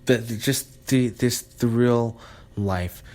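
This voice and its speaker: A man's voice: mid-range voice, takes it slowly, a little mellow. A man talking in a rambling, sarcastic monologue, often breaking off and restarting. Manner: rambling, sarcastic, self-interrupting with laughs. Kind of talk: casual monologue.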